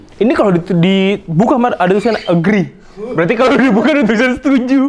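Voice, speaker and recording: Talking at a very fast clip, a man with a high voice uses lively intonation and keeps his loudness very even, with noticeable background noise behind him. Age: 20s. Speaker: young interviewee. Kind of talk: casual chat.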